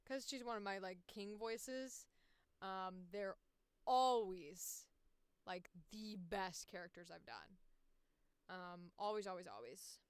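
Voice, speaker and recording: A woman livestreamer with a clear, smooth voice captured close and dry. She talks casually about her work as a voice actor, slangy and freely swearing, with a passionate delivery at an unhurried pace. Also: mid-range voice, no room sound. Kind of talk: casual livestream chat while working.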